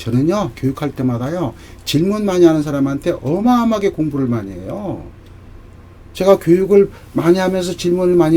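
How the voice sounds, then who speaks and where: At a fairly quick pace, this man talks with a high pitch. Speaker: professor. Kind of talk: lecture. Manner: somewhat halting.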